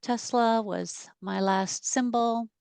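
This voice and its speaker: A woman walking through stock chart analysis in a measured, steady way with some fillers, speaking on a video call. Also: a little high, creaky, clear, resonant tone, no echo. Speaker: market analyst.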